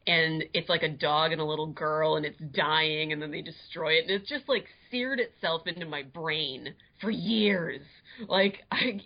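A woman's voice: deep voice, moderate pace, muffled recording. A woman co-hosting a podcast, chatty and often laughing. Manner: giggly, chatty. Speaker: podcast co-host. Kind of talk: casual podcast chat.

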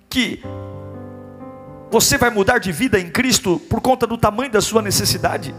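A Brazilian man preaching an impassioned sermon, building to near-shouting and falling back to hushed tones. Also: high-pitched. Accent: Brazilian Portuguese.

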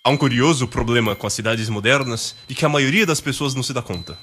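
Man as deadpan, pedantic Brazilian narrator. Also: mid-range voice, fast, soft background music, lightly acted. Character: measured, dryly sarcastic documentary-style narrator. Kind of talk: scripted radio drama narration.

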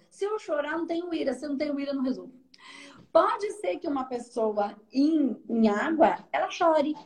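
An energy therapist with a Brazilian accent and a high-pitched voice mentors a student in relaxed conversation. She explains with animation and frequently checks whether the student is following her.

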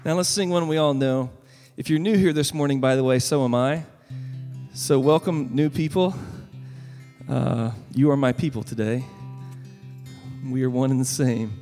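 Southern male worship leader, mid-pitched, gentle and earnest; big church reverb with guitar underneath. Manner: earnest and gentle, with frequent pauses. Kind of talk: spoken interlude between worship songs. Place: church sanctuary. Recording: long reverb from a large church hall.

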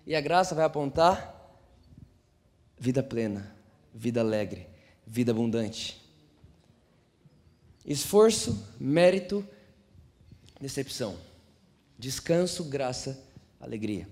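A young man preaching a sermon, animated, acting out quoted voices and asking the congregation questions. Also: medium pitch, slow, pauses often, big-room sound.

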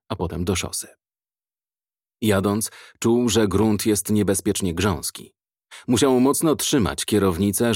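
A man narrating an audiobook in a measured, dramatic storytelling manner. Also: on the low side, a little mellow, dry recording, clean studio sound.

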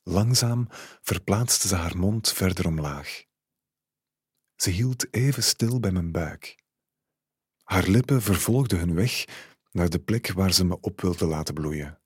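A man reads a literary short story in a calm, measured first person. His voice sits low and a little husky. The recording is dry and close, with no room sound. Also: dry recording. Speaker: narrator.

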